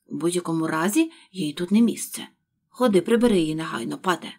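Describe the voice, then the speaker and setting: A woman voicing a fussy, short-tempered male rabbit who shouts and scolds his servant, in a husky voice. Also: mid-range voice, expressive, a little fast. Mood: scolding.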